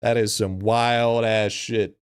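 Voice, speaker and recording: Male streamer, lowish voice, casual frat bro talk, slangy and sweary, dry recording. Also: little pitch movement, slow pace, clean tone, dry recording. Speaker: live streamer. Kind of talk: casual livestream chat.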